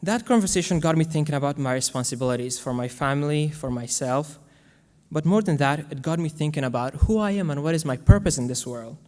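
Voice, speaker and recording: A young man from Afghanistan, giving an earnest, measured prepared speech as guest speaker to a school audience. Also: a little high, a little mellow. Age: young adult. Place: large school hall. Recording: long hall reverb.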